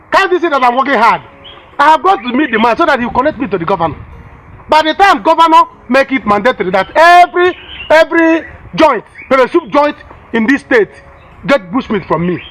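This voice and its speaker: A man's voice: extremely high pitch, fairly bright tone, a little hiss or hum, exaggerated voice, poor audio. A man playing a boastful Nigerian bushmeat hustler. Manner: boastful, coaxing. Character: boastful, scheming village bushmeat seller husband.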